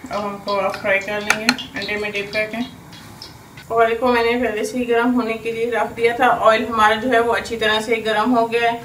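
A woman's voice: on the high side, moderate pace. A woman host with a Pakistani Urdu accent talks through a home cooking recipe step by step, often filling her sentences with "jo hai woh". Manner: steady step-by-step instructions with filler "jo hai woh". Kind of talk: recipe tutorial voice-over. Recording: roomy, distant mic, kitchen noise.

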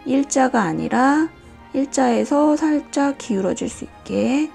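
A woman hosting a nail art and drawing tutorial, talking calmly step by step and often dropping to a whisper. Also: sits high, vocal fry, soft background music. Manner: calm, slow, often drops to a whisper. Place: indoors at a desk, hands on camera.

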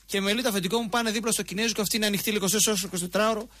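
A Greek man co-hosting a radio talk show, chatting freely and spinning an anecdote. His voice sits high and bright, with a dry, close sound. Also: fairly even intonation, no room sound. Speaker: radio co-host.

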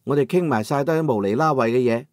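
A man narrating a first-person audiobook novel in a measured storytelling manner, over soft background music. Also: mid-range voice, dry recording. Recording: dry studio with soft music.

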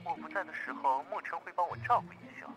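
A man's voice: on the high side, fast, over music, natural voice. A man acting a proud, unruffled young older brother in an audio drama. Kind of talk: fan audio drama dialogue.

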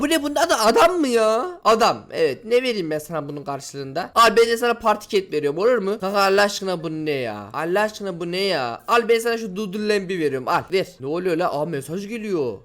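A man giving casual gameplay commentary as a YouTuber, excitable and slangy, with loud, exaggerated reactions. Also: high-pitched. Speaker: gaming YouTuber.

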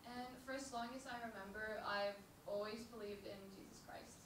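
A woman's voice: medium pitch, fairly even intonation, fairly bright tone. Young Norwegian woman on a stage mic. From Norway. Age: 20s. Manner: pauses after each sentence. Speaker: speaker sharing her testimony. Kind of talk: personal testimony in short phrases for an interpreter. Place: small dark music venue stage. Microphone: handheld microphone. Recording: roomy, noisy venue, from far off.

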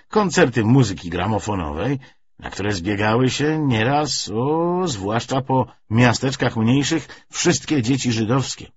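A man's voice: mid-range voice, slightly rough. A man reading a novel aloud as an audiobook narrator, in scripted literary narration. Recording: dull lo-fi recording.

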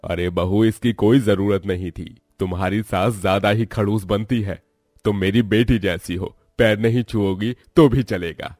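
Casting: man for a kindly older father-in-law, animated drama, deep voice, reassuring delivery. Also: unhurried, no echo, clean studio sound. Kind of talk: animated family story acting.

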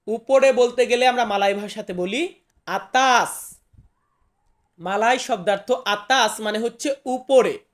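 Guy teaching words, says everything twice, slow and patient. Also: very high voice. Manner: slow and repetitive, often restating the same word. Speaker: language teacher. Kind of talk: spoken language lesson.

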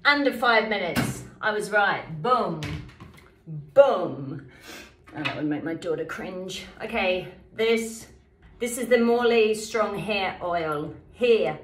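A middle-aged woman with a New Zealand accent, chatting brightly through a hair tutorial at home, laughing often. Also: mid-range voice, lively intonation, slow. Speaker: beauty vlogger. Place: bright home bathroom, indoors. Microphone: camera a few feet away. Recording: echoey bathroom, mic far off, loud noise. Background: hair dryer noise.

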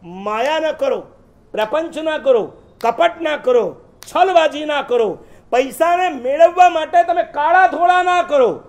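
Very high-voiced man preaching with jokes. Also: lively intonation, a little slow. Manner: joking, recites verses and poetry. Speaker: Jain preacher. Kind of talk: sermon.

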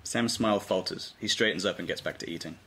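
Low-voiced man narrating a script. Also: quick pace, a bit bright. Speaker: narrator reading stage directions. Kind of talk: scripted narration at a table read. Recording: noisy informal room recording.

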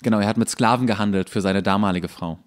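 A man with a fairly low voice speaks as a podcast co-host. He explains things in a casual, conversational way, often pausing to search for the next bit. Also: steady tone. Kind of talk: casual chat, explaining a TV series.

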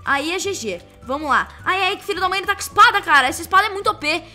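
Excitable high-voiced Brazilian woman gamer. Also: rapid-fire, soft background music. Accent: Brazilian Portuguese. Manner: excitable, exclaiming and repeating herself. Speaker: gaming youtuber. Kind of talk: casual gameplay commentary.

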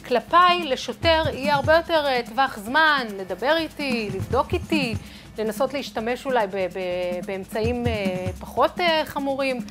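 A woman's voice: sits high, animated. A woman speaking earnestly in an interview, arguing her point with frequent fillers. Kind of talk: interview talk. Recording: music bed underneath.

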